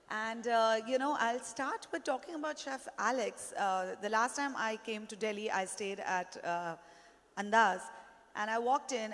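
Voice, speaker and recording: Chatty woman moderating a stage panel. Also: on the high side. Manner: chatty, anecdotal, many fillers. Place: large conference stage. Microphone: handheld mic. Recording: long hall reverb.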